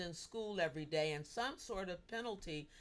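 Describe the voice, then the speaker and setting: An unremarkable speaking voice from a woman, with ordinary pitch variation at a moderate pace. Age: 60s. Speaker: community TV host interviewing candidates. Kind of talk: interview.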